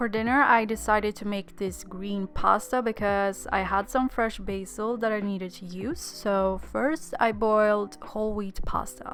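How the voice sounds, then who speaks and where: With a non-native accent, the speaker keeps a fairly even intonation at a moderate pace and hardly any pauses. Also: woman, medium pitch for a woman. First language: not English. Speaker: nutritionist and food vlogger. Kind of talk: voiceover narration of a cooking vlog. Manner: casual, self-correcting.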